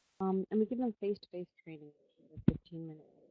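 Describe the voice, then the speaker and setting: The speaker is a woman with a rather brisk delivery. Her pitch rises and falls in a normal way. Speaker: university IT support staff. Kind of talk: conference presentation. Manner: louder after being asked to project. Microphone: quiet, hard to hear.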